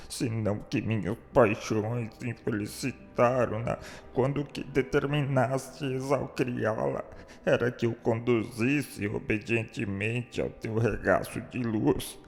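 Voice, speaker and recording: An actor playing an anguished, repentant dead bohemian in an audio drama, pleading in solemn declamation. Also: male voice, mid-range voice, vocal fry, a little mellow. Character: anguished, repentant suicide soul, a dissolute bohemian orator. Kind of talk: scripted audio drama acting, prayer. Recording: long reverb, music behind. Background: music.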